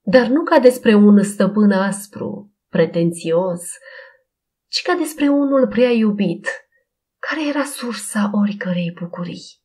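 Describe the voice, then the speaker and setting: A woman narrating a Christian audiobook in a steady, expressive reading style. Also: mid-range voice.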